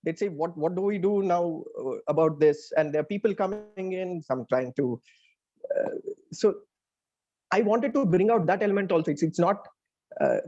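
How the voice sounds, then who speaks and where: A man with an Indian accent talking reflectively in a casual interview as a writer, often pausing to search for words. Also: sits high, lively intonation, dark tone. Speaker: interviewed audio playwright. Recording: dull, band-limited audio.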